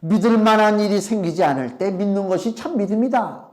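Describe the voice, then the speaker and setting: High-pitched emphatic male pastor. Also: animated, a little fast. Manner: emphatic, conversational preaching with rhetorical questions and acted-out quotes. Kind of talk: sermon.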